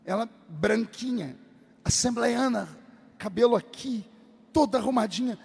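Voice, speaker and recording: Gravelly high-voiced preacher telling a funny story. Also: male voice, measured pace. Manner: animated comic storytelling. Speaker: pastor. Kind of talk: sermon storytelling. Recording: long hall reverb.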